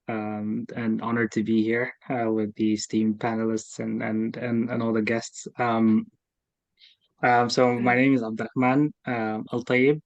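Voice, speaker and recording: A man introducing himself as a guest on a video call, halting with many fillers. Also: medium pitch, dry recording. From Sudan. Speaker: guest, family member. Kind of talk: self-introduction. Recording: dull lo-fi call audio.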